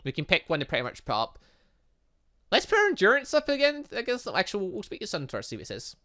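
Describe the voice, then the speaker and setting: A man's voice: high voice, huge pitch swings, fast, bright, forceful tone. A British man giving casual, rambling let's play commentary and talking back to the game as he goes. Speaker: gaming channel host.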